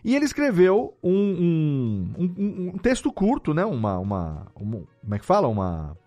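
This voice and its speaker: A Brazilian man talking casually as an interviewed audio editor, explaining things in an animated way with rhetorical questions. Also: a little high, normal speed, faint music behind. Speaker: audio drama editor and podcast guest.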